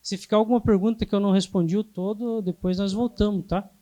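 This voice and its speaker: A man teaching a hypnotherapy class in a calm, explanatory way. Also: high voice, fast talker. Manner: calm, explanatory, sometimes acts out clients. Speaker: hypnotherapy instructor.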